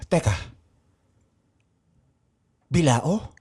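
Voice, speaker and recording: Woman doing a solemn old-fashioned shopkeeper guy, talks really slow and formal, improv radio drama. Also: low-pitched, animated, warm tone, husky, exaggerated voice. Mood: urgent. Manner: formal, archaic wording, deliberate. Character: courtly, solemn male shopkeeper of the future.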